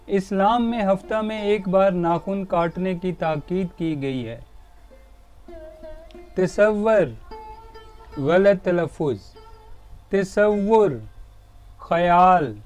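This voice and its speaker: A man giving a formal, measured pronunciation lesson, word by word, in a courteous tone. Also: sits high, a little mellow. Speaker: Urdu pronunciation teacher.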